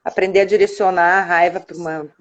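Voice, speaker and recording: A woman's voice: fairly low pitch, steady tone, fast. A Brazilian woman chatting on a live video call, explaining things earnestly with frequent tag questions. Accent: Brazilian Portuguese. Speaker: guest. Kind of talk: casual live-stream chat. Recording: dull lo-fi live-stream audio.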